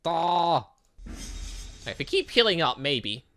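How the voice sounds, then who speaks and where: A man hosting a gaming video, giving excitable, exclamatory let's play commentary with muttered asides and game text read aloud. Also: a little high, slow, slight background noise.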